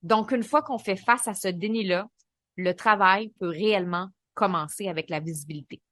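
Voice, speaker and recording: A woman with a Québécois French accent hosting a solo podcast, coaching in a lively, colloquial way. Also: mid-range voice, moderate pace, no room sound, studio quality. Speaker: podcast host and business coach.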